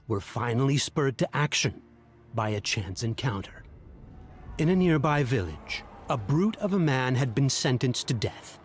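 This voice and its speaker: A man narrating a dark fantasy game tale as a grave storyteller, in a solemn, dramatic, measured manner. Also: mid-range voice, slight background noise, natural voice.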